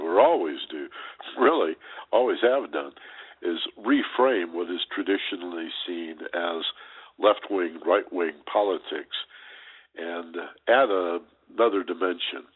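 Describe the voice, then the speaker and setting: Man, very deep voice, husky, congested from a cold, wheezy, earnest, frequent fillers, talk host. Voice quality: weak, wheezy voice. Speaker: radio show host. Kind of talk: spoken talk-show monologue. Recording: tinny phone-like radio broadcast.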